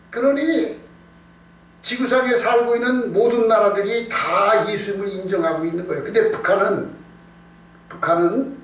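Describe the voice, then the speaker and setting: A male pastor with a voice that sits high preaches a conversational Korean evening-service sermon, emphatic and repetitive, asking rhetorical questions and answering them himself. He's at an indoor church service. A distant mic in the echoey room picks up noise and hum.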